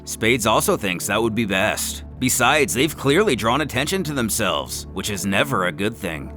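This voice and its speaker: A man giving an animated, dramatic scripted narration of a manga story, as a narrator and host. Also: lowish voice, moderate pace, soft background music.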